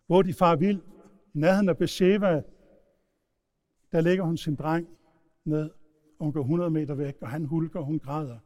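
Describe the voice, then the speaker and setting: A man preaching a sermon, retelling stories in a lively storytelling manner. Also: a little high. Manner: storytelling, animated retelling with shouted quotes. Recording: long hall reverb.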